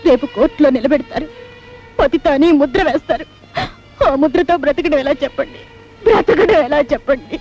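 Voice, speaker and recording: An actress playing a young dancer from Rajahmundry who was wrongly jailed, speaking in an impassioned, tearful way. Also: female voice, high-pitched, brisk, warm tone, natural voice. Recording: dull old film soundtrack with music.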